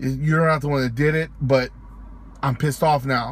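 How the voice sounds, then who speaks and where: A man talks at a fairly quick pace in a flat monotone, and the sound is dry with no echo. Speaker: video blogger and gamer. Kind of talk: angry rant to camera, venting about a bad customer service call. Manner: indignant and heated, with stressed, emphatic swearing; casual, with many filler words and repeated phrases. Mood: annoyed, frustrated. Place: car. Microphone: phone near.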